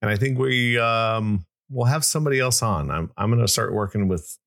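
A man's voice: lowish voice, normal speed, vocal fry, fairly bright tone. A man hosting a podcast in casual chat, rambling with many restarts and fillers. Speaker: podcast host.

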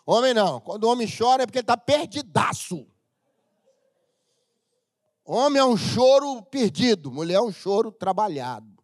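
A middle-aged Brazilian man preaching a humorous, animated sermon as pastor of a church, sometimes breaking into shouts. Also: sits high, moderate pace, pauses often, no echo, clean studio sound. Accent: Brazilian Portuguese.

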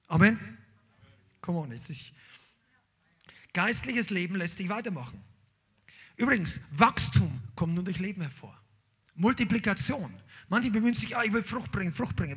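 Male pastor, husky, high-pitched voice, emphatic sermon delivery. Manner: animated, emphatic preaching with sudden loud peaks.

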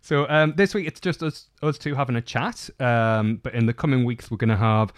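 A man with a soft, camp, slightly feminine voice, chatting casually as a podcast host. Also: mid-range voice, a little fast, dry recording.

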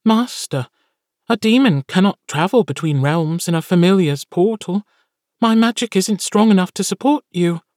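Male narrator doing a small, loyal demon familiar, squeaky and high, eager. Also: normal speed, darkish tone, dry recording, studio quality, close to an everyday voice. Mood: sorrowful.

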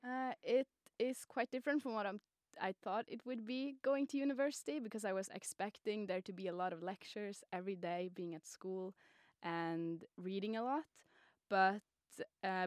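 A woman's voice: mid-range voice, smooth, dry recording, clean studio sound. A twenty-year-old woman from Norway, a student guest on a podcast, chatty and prone to restarting words. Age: 20s. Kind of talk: casual podcast interview.

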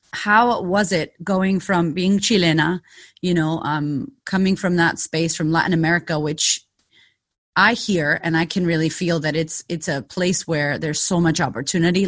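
A woman's voice: on the low side, no room sound, studio quality. A woman hosting a business podcast, asking long, rambling, enthusiastic questions. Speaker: podcast host. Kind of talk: conversational interview.

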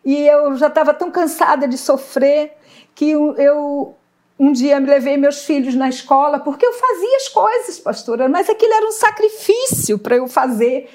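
A middle-aged woman giving an emotional faith testimony, earnest and halting, often searching for words. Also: high voice, animated, darkish tone. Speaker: guest sharing testimony.

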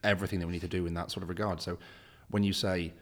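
A man's voice: deep voice, little pitch movement, racing, a bit bright, big-room sound. A man hosting a casual interview podcast, chatty and rambling, with lots of restarts in his questions. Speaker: podcast host.

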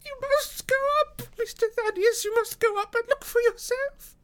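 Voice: extremely high pitch, moderate pace, a bit bright, voice pushed up. A narrator voicing a thin old housekeeper, frightened, tearful and devoted, in an audiobook story. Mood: anxious, pleading. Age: older. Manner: tearful, repetitive, fretful pleading.

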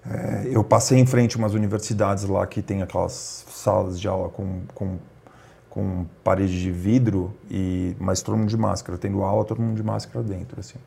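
A man with a São Paulo Brazilian Portuguese accent, chatting in a relaxed way full of slangy fillers. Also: sits low, moderate pace, gravelly, breathy edge. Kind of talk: casual conversation.

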